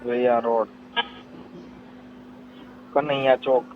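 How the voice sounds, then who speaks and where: A man's voice: medium pitch, little pitch movement, drawn-out words, a little hiss or hum. A man with a Kathiawadi Gujarati accent questioning someone informally by phone and repeating details back to confirm them. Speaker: host taking a caller's complaint. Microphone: telephone line. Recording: tinny narrowband phone call recording.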